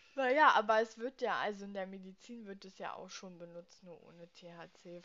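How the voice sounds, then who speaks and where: A woman keeps fairly even intonation and a moderate pace in a normal speaking voice. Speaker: nurse. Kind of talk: casual chat. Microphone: too quiet at first.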